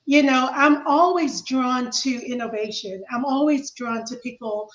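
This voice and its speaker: A woman in her forties telling a story in an animated, laughing way as an interview guest. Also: high voice, a little slow. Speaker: guest, business leader. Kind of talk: casual interview chat. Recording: roomy, muffled sound.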